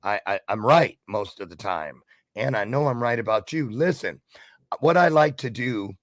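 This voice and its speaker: A man hosting a live online show, talking in a playful, upbeat way. His voice is mid-pitched and sounds dry and close, with no room around it. He jokes and keeps the chat moving like a showman. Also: expressive, normal speed, no room sound. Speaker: talk show host.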